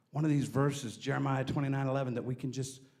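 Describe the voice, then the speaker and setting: A man's voice at medium pitch rings with audible room echo. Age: 50s. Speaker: guest preacher. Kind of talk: sermon.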